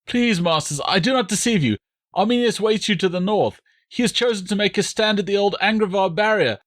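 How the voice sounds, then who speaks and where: A whining tribal deserter, acted by a male audiobook reader, pitched well up high. He cowers and pleads for mercy, his words hurried and prone to stammering. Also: lightly acted. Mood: terrified pleading. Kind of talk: audiobook character voice.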